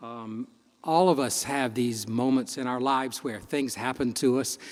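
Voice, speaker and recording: Speaking with an American accent, a man has a plain, everyday voice at medium pitch, with fairly even intonation and a moderate pace. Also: very clean recording, silent background. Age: 60s. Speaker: host of a music and storytelling show. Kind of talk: show hosting monologue.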